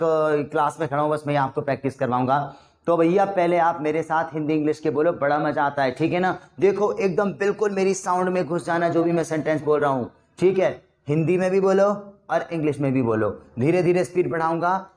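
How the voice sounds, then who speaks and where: A fairly high-voiced man running a spoken English class, barking out Hindi lines and their English translations in quick drills. He coughs and clears his throat now and then as he pushes the class along. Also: darkish tone.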